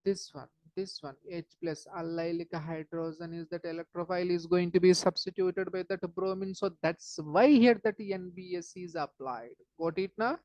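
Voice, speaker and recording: A woman teacher with a South Asian accent and a lowish voice explains things step by step in a dry, close-sounding recording. She repeats key phrases and often stops to check with short questions. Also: normal speed, hardly any pauses, a little mellow, no echo, rough recording. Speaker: chemistry teacher.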